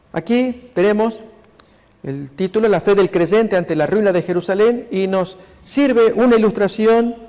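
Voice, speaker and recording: A man's voice: high voice, a little mellow. A man pastor preaching a sermon over slides, earnestly addressing his congregation. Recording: long hall reverb.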